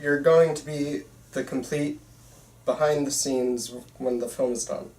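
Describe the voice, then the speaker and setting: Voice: medium pitch, fairly even intonation, unhurried, a little mellow. A person reading the lead part in an amateur script table read, casual and conversational with some stammering. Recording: roomy, echoey room.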